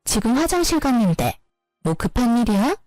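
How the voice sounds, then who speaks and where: A woman's voice: a little high, very animated, moderate pace, a little mellow, no echo, soft background music. A woman voicing the husband's casual, easygoing older relative. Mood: offhand.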